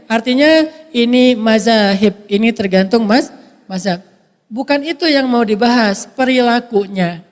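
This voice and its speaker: A man giving a humorous sermon, acting out little scenes with a soft voice that people often take for a woman's. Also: very high voice, a little slow, long reverb tail. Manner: playful, acts out little scenes. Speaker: preacher.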